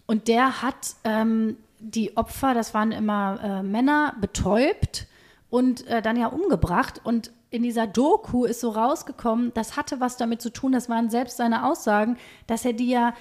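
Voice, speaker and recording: A woman with a somewhat high voice hosts an informal podcast talk. She reasons out loud, developing her point piece by piece in everyday language. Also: moderate pace. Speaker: podcast host. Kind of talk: casual chat. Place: indoors at a table in a home.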